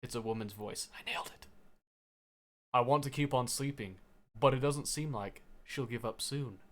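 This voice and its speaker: A young man streaming a visual novel, reading the text aloud and joking about it in an animated way. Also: medium pitch, moderate pace. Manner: animated, jokey, reads game text aloud. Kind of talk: game playthrough, reading aloud and commenting. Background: faint piano game music.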